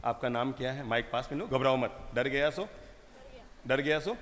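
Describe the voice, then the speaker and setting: A man, a Jain monk, giving an animated sermon full of rhetorical questions and acted-out family scenes. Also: medium pitch, moderate pace. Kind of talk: sermon to a live audience. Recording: long hall reverb.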